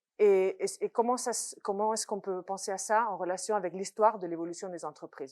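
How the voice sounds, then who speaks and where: At a fairly quick pace and with hardly any pauses, a woman speaks in a Spanish accent at medium pitch. Her loudness swings widely, her pitch variation is ordinary, and the background is quiet. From Spain, Barcelona. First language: Spanish (speaking French). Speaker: economics professor. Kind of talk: lecture. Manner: halting, searching for words.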